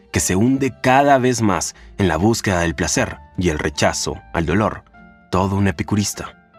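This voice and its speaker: Deep-voiced man narrating a book summary.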